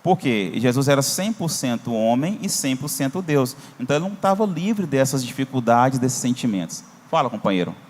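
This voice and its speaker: A man's voice: medium pitch, very animated, fairly quick, hardly any pauses. A man with a Brazilian Portuguese accent, a pastor teaching a Bible class in a conversational way, often checking in with the class. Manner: conversational, asks for verses on screen, frequent "tá?". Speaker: Sunday school teacher, pastor. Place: church hall. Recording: hall reverb.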